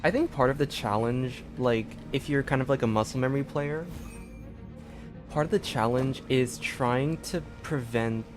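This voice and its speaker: A man's voice: medium pitch, normal speed, music in the background. A man hosting a live gaming stream, chatting casually in a loose, rambling, hesitant way.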